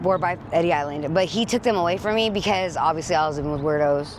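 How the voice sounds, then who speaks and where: Lively intonation from a woman with a fairly low pitch, plus audible room echo and noticeable background noise. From US, Mexican household. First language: Spanish. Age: 40s. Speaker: homeless woman interviewed on the street. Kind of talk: street interview. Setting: outdoors on the street. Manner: halting, many restarts.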